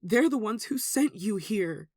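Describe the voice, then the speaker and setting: A performer with a mid-pitched voice playing an anxious, devout, caring villager in an earnest, hesitant ASMR roleplay. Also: lively intonation, unhurried, dry recording, studio quality. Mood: alarmed, pleading. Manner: earnest, hesitant, soft sighing delivery. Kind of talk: ASMR roleplay audio drama.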